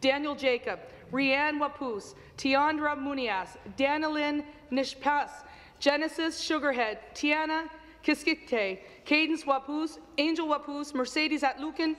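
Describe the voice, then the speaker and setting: A woman's voice: sits high, a little slow, fairly bright tone, in a large hall. A woman from Nova Scotia giving an earnest, formal speech as a legislator in a legislative chamber. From Nova Scotia, Canada. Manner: earnest, with frequent fillers when speaking off the cuff.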